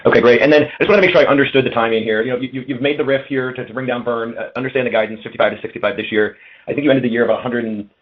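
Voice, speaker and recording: A man's voice: mid-range voice, fairly even intonation, very fast, a little hiss or hum. A man asking questions as a financial analyst on an earnings call. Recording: tinny phone conference line.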